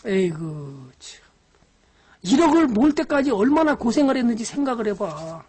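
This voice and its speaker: A woman's voice: a little high, big pitch swings, moderate pace, dark tone, slightly rough. A woman giving a live-streamed lecture on stock investing. She talks to viewers directly in a scolding, exasperated way, with frequent sighs.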